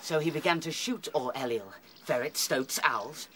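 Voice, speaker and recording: A man's voice: fairly high pitch, moderate pace, noisy background, close to an everyday voice. A British man playing a small, intense, insistent rabbit seer in a radio drama. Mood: grave, bitter.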